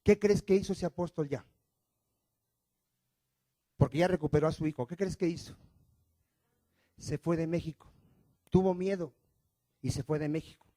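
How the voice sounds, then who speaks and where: A male pastor, preaching a sermon, firing rhetorical questions at the congregation and swinging between loud emphatic lines and quiet ones. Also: a little high, normal speed, pauses often, no echo.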